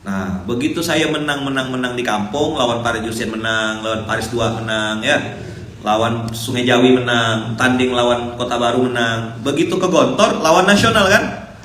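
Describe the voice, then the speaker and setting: A man's voice: mid-range voice, moderate pace, a bit bright, echoey room, slight background noise. A man in his thirties with a Pontianak Malay accent, preaching and telling jokey personal stories, sometimes acting out the voices of people in them. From Pontianak, West Kalimantan. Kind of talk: sermon with personal storytelling. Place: mosque.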